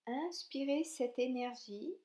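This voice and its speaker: Woman doing a guided meditation, really mellow dark tone, super slow, calm n gentle w long pauses. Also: high-pitched. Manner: calm, gentle, soothing, with long pauses between short instructions. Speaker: yoga nidra relaxation instructor.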